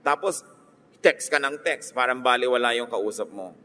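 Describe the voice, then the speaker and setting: A man's voice: medium pitch, moderate pace, big-room sound, slight background noise. A man with a Filipino accent preaching a sermon as pastor, teasing, mixing in English phrases. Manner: mixes English into talk, teasing, animated mock voices. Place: church.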